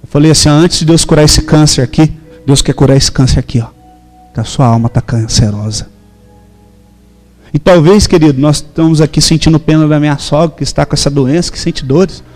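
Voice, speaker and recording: Male pastor, Brazilian accent, emphatic sermon storytelling, soft music behind, long church reverb. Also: on the high side, brisk. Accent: Brazilian Portuguese. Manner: storytelling with quoted dialogue, emphatic.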